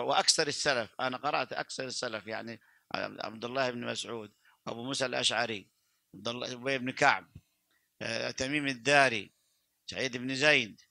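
A man's voice: medium pitch, gravelly, pushed and bright, no room sound. An older man and Quran reciter giving a religious talk, reciting verses, fervent and stumbling into restarts. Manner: fervent, many restarts and stammers.

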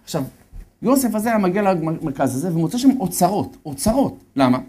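A man lecturing on religion, telling his story in a lively way. He keeps turning to his audience and telling them to listen well. His pitch rises and falls as he acts out the people in it. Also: breathy edge. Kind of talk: storytelling sermon.

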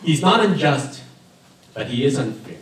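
A man in his thirties preaching a sermon in a church, talking in a lively, conversational way while gesturing at a lectern. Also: mid-range voice, a little slow. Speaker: pastor. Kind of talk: sermon with personal story. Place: church sanctuary with stained glass, indoors. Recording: very echoey room from far off.

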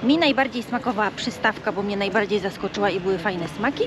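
A woman's voice: mid-range voice, fast, a crowd in the background. A woman food vlogger chatting casually and animatedly, laughing often, while reviewing a meal. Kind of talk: casual chat.

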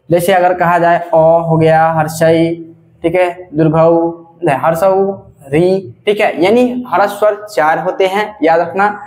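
A male teacher giving a classroom grammar lesson, drawing out example sounds slowly and saying "ठीक है" again and again. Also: high voice, echoey room.

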